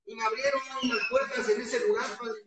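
A man's voice: extremely high pitch, steady tone, fairly quick, background noise. Profane Mexican man in an echoey hall. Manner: heavily profane, impassioned, voice often breaking. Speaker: recovering alcoholic giving testimony. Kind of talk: impassioned testimony at a support-group meeting. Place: meeting hall with an audience. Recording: echoey hall, mic far off, crowd behind.

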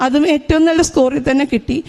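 A middle-aged woman giving a religious testimony, telling her story in an earnest, halting way. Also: sits high, steady tone, darkish tone. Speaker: testimony giver.

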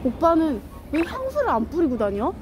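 A woman's voice: high voice, huge pitch swings. A young woman live-streaming on a cold city street, chatting and teasing through a face mask. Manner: chatty and teasing, quick to laugh. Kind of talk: casual live-stream chat.

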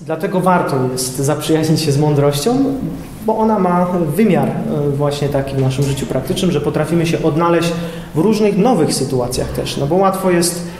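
A young man giving an informal lecture to high school students in a classroom, hesitating often with filler sounds as he explains. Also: normal speed, darkish tone. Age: young adult. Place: classroom with projector screen, indoors. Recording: echoey room with long reverb, faint noise.

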